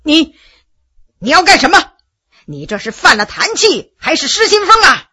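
A woman's voice: sits high, wildly swooping pitch, a little slow, pushed and bright, husky, heavily acted. A woman storyteller voicing an aging emperor who stammers in alarm and sneers coldly. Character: aging emperor, frightened then coldly furious.

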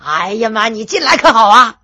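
A woman playing a booming, boastful giant of a general. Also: sing-song, moderate pace, full character voice. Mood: hearty. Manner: loud, laughing, blustering. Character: huge booming middle-aged Manchu general, hearty and boastful.

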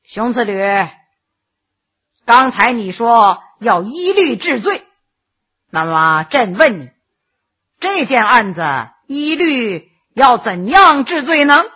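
A man's voice: extremely high pitch, sing-song, takes it slowly, long pauses, sharp tone, husky, full character voice. A woman voicing a stern, angry emperor who speaks coldly and with command, in a spoken story. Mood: grave. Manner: cold, commanding. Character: stern angry middle-aged male emperor.

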